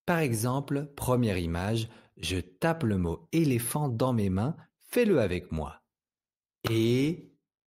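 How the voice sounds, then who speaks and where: A man with a French accent teaching young children to read, saying each sound slowly and patiently. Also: on the low side. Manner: patient, speaks words slowly and distinctly. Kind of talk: slow, clear reading lesson for young children.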